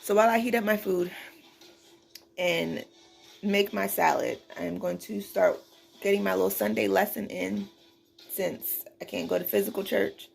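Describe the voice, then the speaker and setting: A woman vlogger chatting casually, sounding exhausted and weary, with a creaky, gravelly voice. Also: mid-range voice, normal speed, pauses often, darkish tone. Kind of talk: casual vlog chat.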